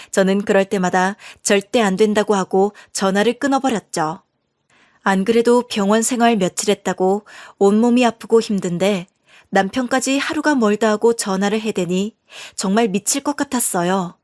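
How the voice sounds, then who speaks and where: A woman's voice: medium pitch, darkish tone, no room sound, clean studio sound. A woman narrating a scripted first-person story in an earnest, indignant storytelling manner.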